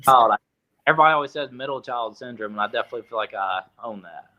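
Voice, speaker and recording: A young man from Tennessee, a boxer, answering interview questions in a relaxed way with lots of fillers. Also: medium pitch, very fast, lo-fi sound, crowd noise. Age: young adult. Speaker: boxer, guest.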